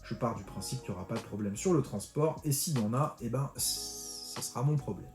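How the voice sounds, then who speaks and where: A man's voice: medium pitch, brisk, darkish tone. A man talking a viewer through a step-by-step online tutorial, chatty and informal, addressing the viewer directly. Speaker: card-collecting tutorial host. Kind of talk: screen-recorded tutorial walkthrough. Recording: roomy echo with faint music.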